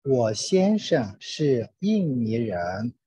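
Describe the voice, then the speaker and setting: A man learning a language, carefully and haltingly reciting drill sentences over an online call. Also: mid-range voice, very animated, dark tone, breathy edge. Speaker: language student. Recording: dull, roomy online call recording.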